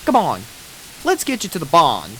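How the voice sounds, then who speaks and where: Man playing a country pony mare, Southern drawl, folksy, raised pitch, faint hiss. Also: wildly swooping pitch, moderate pace, pushed and bright, full character voice, rough recording. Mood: warm. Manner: folksy, drawling, coos baby talk. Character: kindly country farm pony mare, motherly.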